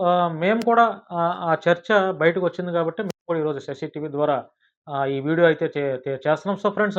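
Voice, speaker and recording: High-pitched Telugu man presenting news. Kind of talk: political news commentary to camera. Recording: dull, lo-fi sound.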